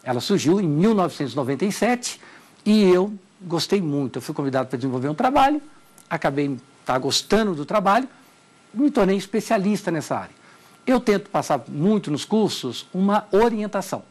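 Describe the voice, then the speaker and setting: A middle-aged Brazilian man lecturing on TV about legal writing. His voice sits high for a man and swings widely in pitch. He stresses his warnings and says them twice. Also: very animated, brisk, darkish tone. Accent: Brazilian Portuguese. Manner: emphatic, repeats key warnings. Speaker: law language teacher. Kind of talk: televised lecture.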